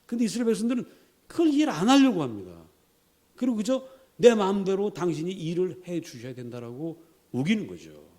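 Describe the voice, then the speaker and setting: A man's voice: high voice, sing-song, fairly quick, mellow. A man preaching a sermon in a church, dramatic and emphatic, acting out quotations as he goes. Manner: dramatic, acts out quotations, rising to emphatic peaks. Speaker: pastor. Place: church sanctuary.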